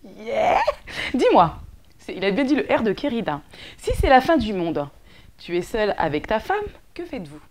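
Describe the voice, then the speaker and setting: A woman hosting a playful interview, her pitch leaping around as she laughs and gushes over the guest's answers. She keeps the questions moving with bright enthusiasm. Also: big pitch swings, moderate pace, slight background noise. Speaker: interview host.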